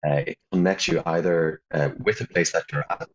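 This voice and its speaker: A man with a Belfast accent, a guest calmly explaining his meditation work in an interview. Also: deep voice, fairly quick. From Northern Ireland. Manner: calm, flowing explanations with frequent fillers. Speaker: guest, founder of a meditation app. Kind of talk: interview conversation. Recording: dull, muffled lo-fi audio.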